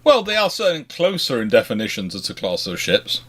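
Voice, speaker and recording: A man hosting a casual question and answer chat on naval history, talking haltingly and often circling back to rephrase. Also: medium pitch, wildly swooping pitch, fairly bright tone, a little hiss or hum. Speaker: live Q&A host answering viewer questions.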